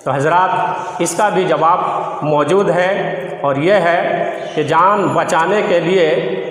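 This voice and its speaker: A man's voice: a little high, fairly even intonation, takes it slowly, fairly bright tone. A man preaching a Muslim sermon in formal, Arabic-laced phrasing, explaining emphatically and with much repetition. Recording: very echoey, long reverb.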